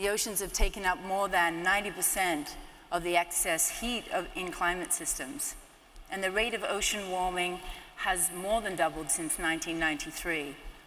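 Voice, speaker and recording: A woman speaks in an Australian accent with a medium pitch, keeping a moderate pace and fairly even intonation. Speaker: award presenter. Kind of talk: speech announcing awards. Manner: halting, stumbles over words.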